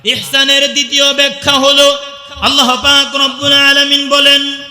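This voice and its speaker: A man with a Bangladeshi Bengali accent gives a waz sermon in a high, piercingly bright voice with a flat delivery. He chants Arabic verses in a slow, drawn-out singsong, then shifts to preaching with rising calls to the crowd. A large hall's long reverb rings around each phrase.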